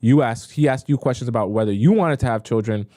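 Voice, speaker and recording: Male live-stream host, casual and chatty, mellow tone, dry close sound. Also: medium pitch, quick pace, no room sound. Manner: chatty, reads messages aloud with asides. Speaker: dating advice host. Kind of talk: live stream reading viewer questions.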